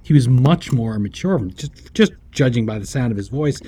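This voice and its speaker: A man's voice: mid-range voice, normal speed, breathy edge. A man co-hosting a podcast in casual chat, telling stories with animation and acting out the quotes. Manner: animated storyteller who acts out quotes. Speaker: podcast co-host.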